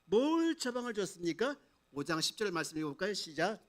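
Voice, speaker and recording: Male pastor, sermon, high voice, quizzes the congregation, dramatizes the story. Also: very animated, brisk.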